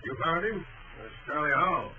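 An actor playing a guarded, folksy small-town sheriff in a 1940s radio drama, with terse rustic phrasing. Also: male voice, fairly high pitch, expressive, normal speed, noisy background, close to an everyday voice. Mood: surprised. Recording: muffled, phone-like 1940s radio recording.

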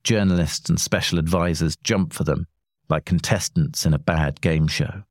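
A man reads a short story aloud in a measured, wry narration. His voice is very deep and low-pitched. The recording is dry and close, with no room echo. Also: steady tone, a little mellow.

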